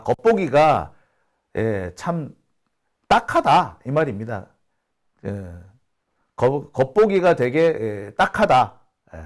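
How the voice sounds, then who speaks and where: A middle-aged man from Busan hosting casual political commentary, telling stories and affirming himself with short "ye" interjections. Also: medium pitch. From Busan, South Korea. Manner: animated, storytelling, frequent "ye" affirmations. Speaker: YouTube channel host.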